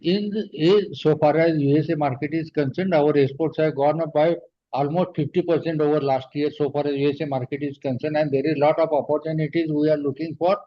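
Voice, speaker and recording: A man's voice: on the high side, fairly even intonation, a little fast. A man with an Indian accent, a company executive giving formal, wordy answers on an earnings call. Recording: dull conference call audio.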